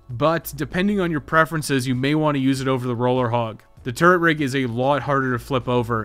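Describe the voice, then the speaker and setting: A man's voice: medium pitch, fairly bright tone. A man narrating a scripted video game guide in a matter-of-fact way, with dry, wry asides. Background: background music.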